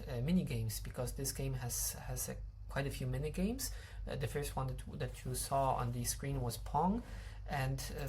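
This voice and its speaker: A man's voice: medium pitch, a little hiss or hum. Hesitant man. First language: Polish. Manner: hesitant, many fillers and restarts. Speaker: game developer. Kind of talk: explaining his game code.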